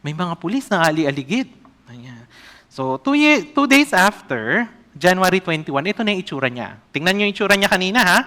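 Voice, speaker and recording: A man preaching a sermon as an evangelist, often asking the congregation questions and reading scripture aloud slowly. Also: sits high, sing-song, bright, forceful tone.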